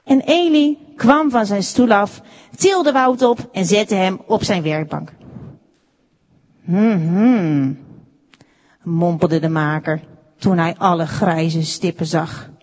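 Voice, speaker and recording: A woman reading a children's story aloud, expressive and unhurried. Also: medium pitch. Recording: echoey room with long reverb.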